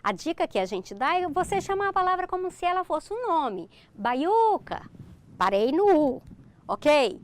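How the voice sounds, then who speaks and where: A high-pitched, very animated woman at a moderate pace leads a recorded online grammar lesson. She's middle-aged and Brazilian, with a Brazilian Portuguese accent, and she goes step by step, checking in with "ok?" frequently.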